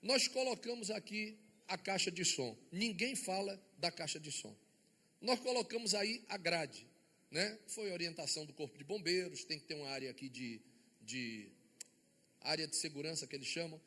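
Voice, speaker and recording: A man's voice: fairly high pitch, animated, moderate pace, pushed and bright, slightly rough. A man with a Brazilian accent, a bishop preaching a sermon and firing rhetorical questions at his congregation. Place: church sanctuary before a congregation. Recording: long church reverb.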